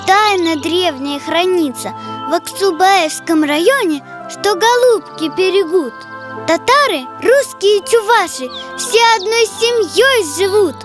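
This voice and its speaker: A childlike voice reciting verse as narration for a children's cartoon, in a measured, declamatory way. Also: very high-pitched, expressive. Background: music.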